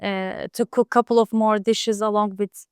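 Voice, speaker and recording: A woman, a home cook talking casually in an interview, soft-spoken and hesitant with many fillers. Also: mid-range voice, flat delivery, moderate pace, smooth, no room sound, studio quality. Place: home in Istanbul.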